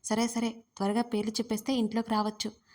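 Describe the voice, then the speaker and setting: A woman's voice: a little high, flat delivery, quick pace, a little mellow, close to an everyday voice. A woman narrator voicing a cheeky young woman who teases the newlyweds in an audio story. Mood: teasing. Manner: mocking and cheeky. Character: teasing, playful young woman, the bride's cousin.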